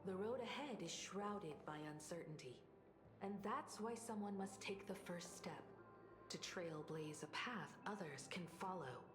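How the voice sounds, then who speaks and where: An actress playing a resolute, caring grown daughter, a young video game heroine, speaking in a composed, earnest way. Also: female voice, on the low side, lively intonation, unhurried. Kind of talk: dramatic game voice acting. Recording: slightly reverberant, music underneath. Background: background music.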